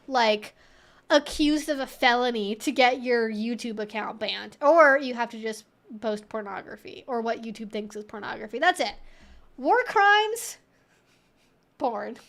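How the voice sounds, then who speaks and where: A woman hosting a casual advice livestream, answering questions in a conversational, rambling way peppered with "like" and "you know". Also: a little high.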